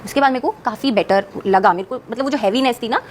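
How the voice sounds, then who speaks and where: A woman's voice: a little high, fast talker, slight background noise. A woman, a singer, telling a personal story as a podcast guest in an earnest, rambling way, with English words mixed into her speech.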